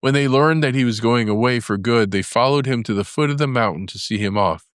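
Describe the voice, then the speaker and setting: Male storyteller for children's fairy tales; middle-range pitch, scripted narration, close and dry recording. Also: fairly quick, clean tone, no echo.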